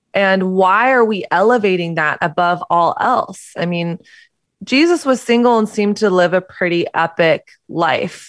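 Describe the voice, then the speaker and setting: A woman's medium-pitched voice with an American accent, fairly slow, in a very clean recording with a silent background. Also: very even loudness. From Texas. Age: 30s. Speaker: author and podcaster. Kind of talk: interview.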